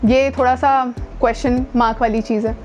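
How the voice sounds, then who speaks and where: A fairly high-pitched woman with an Indian accent speaks at a normal speed with fairly even intonation and a darkish tone, over soft background music. She's a voice training coach presenting a conversational lesson to camera, code-switching into English and stressing key words.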